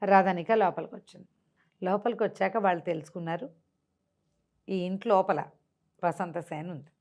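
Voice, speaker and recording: A woman's voice: fairly low pitch, steady tone, moderate pace, darkish tone. A woman tells a classical tale off the cuff as a storyteller, explaining conversationally and repeating phrases as she goes.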